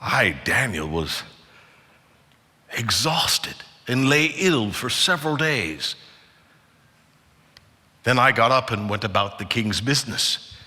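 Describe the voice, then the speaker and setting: A man giving a dramatic Bible reading before a live hall, theatrical and emphatic, with deliberate pauses. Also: mid-range voice, expressive, bright, forceful tone. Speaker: dramatic scripture reader. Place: large indoor conference hall. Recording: live hall with long reverb.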